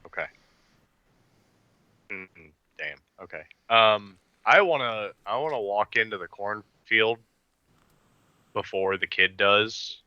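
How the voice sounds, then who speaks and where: A man's voice: on the low side, takes it slowly, long pauses, clean tone, no room sound, highs cut off. A man chatting casually as a player in a tabletop roleplaying game. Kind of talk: casual chat in game play.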